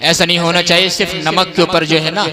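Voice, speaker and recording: High-pitched man preaching rousingly. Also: flat delivery, a little fast. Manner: exhortative, repetitive, calls on listeners to answer. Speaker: Islamic preacher. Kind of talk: rousing religious sermon to a gathering. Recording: live gathering with crowd noise.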